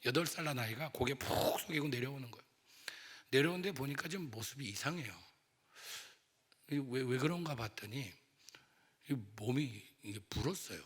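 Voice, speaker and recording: A man's voice: mid-range voice, lively intonation, moderate pace, pauses often, fairly bright tone, breathy edge. A pastor in his forties telling a personal story in a revival sermon. He speaks with emotion and builds to fervent appeals. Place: church sanctuary. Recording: church hall reverb.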